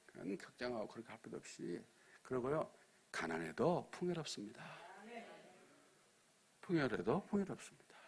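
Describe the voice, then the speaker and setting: Husky, animated Korean missionary preacher. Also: male voice, fairly high pitch. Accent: Jeolla dialect. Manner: animated storytelling, swinging from loud emphasis to near-whispers. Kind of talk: sermon.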